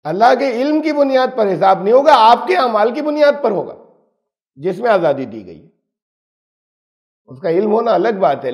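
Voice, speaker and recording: A man's voice: sits high, lo-fi sound. A man giving an emphatic, explanatory religious lesson on scripture. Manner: explanatory, emphatic, uses everyday examples. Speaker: Quran teacher.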